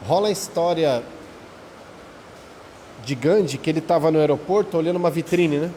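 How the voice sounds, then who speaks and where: A man with a Brazilian Portuguese accent gives an informal spiritual talk, his voice a little higher than most men's. He speaks conversationally and keeps checking in with his listeners. The sound carries a long hall reverb, with faint rain heard behind him. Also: normal speed, warm tone, slight background noise. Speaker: speaker at a Spiritist study center.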